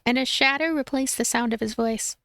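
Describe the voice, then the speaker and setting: A woman reading a visual novel aloud as a let's play narrator, in expressive, animated storytelling. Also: fairly high pitch, brisk, no room sound. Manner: animated storytelling, acts out dialogue.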